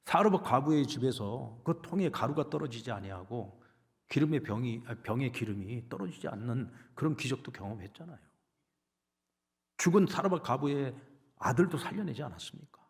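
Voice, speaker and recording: A male pastor giving an emphatic, animated sermon. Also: medium pitch, moderate pace. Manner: emphatic, animated preaching with acted quotes.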